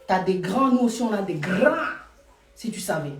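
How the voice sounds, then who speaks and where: A woman's voice: medium pitch, expressive, normal speed, reverberant, far from the mic. A woman live-streaming to her followers in Paris, talking casually and emphatically, repeating her points for force. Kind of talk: casual live chat, mixing French and Lingala.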